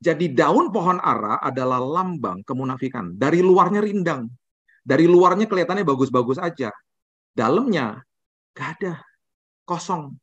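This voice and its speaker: A male pastor preaching a sermon, lively and conversational, often tagging sentences with "ya" and "nah". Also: medium pitch, no room sound, muffled recording. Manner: animated storytelling preacher with filler "ya" and "nah".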